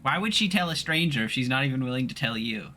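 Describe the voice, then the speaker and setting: A man with a bright, forceful voice co-hosts a casual let's play. His delivery is very lively in pitch as he argues, jokes and tells stories with plenty of swearing. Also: fast, a little hiss or hum. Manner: argumentative, sweary banter. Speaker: let's play co-host playing the game. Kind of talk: casual joking game commentary with anecdotes.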